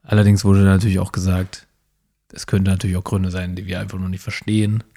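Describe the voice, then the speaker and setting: A man's voice: deep voice, little pitch movement, fast talker, warm tone. A man co-hosting a casual podcast, chiming in with teasing jokes. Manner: joking, teasing interjections. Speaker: podcast co-host. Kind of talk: casual chat.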